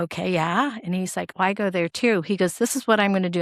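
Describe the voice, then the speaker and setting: The recording is very clean and dry, close with no echo, and the background is silent. A woman with an unremarkable speaking voice talks fairly quickly at a medium pitch. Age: 60s. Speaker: physician assistant, podcast co-host. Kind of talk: personal testimony in casual conversation.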